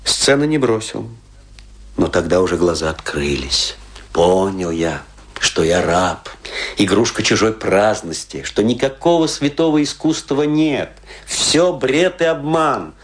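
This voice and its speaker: A man playing a disillusioned, drunken provincial stage actor, self-mocking and brooding, in a theatrical radio drama monologue that rambles with pauses. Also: fairly low pitch, expressive. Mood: bitter, anguished.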